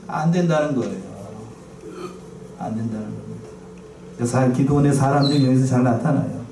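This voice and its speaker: A man's voice: mid-range voice, normal speed, gravelly. A male pastor preaching a sermon in a church, often putting questions to the congregation and repeating key phrases. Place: church sanctuary. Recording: roomy, distant, faint noise.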